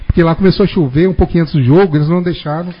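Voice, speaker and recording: A man, telling a long anecdote fast and animatedly in casual podcast chat. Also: fairly high pitch, breathy edge. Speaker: podcast guest. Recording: dull, reverberant room recording.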